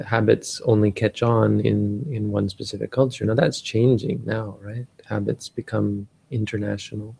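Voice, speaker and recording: A man's voice: on the low side, gravelly. A Canadian man giving a rambling casual talk on a live stream, often restarting and searching for words. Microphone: live stream setup.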